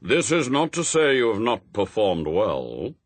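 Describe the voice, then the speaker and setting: A man voicing a lofty, imperious heavenly spokesman for God in a storybook, speaking in a pompous, measured, formal way. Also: on the low side, very animated, no room sound. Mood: solemn, patronising.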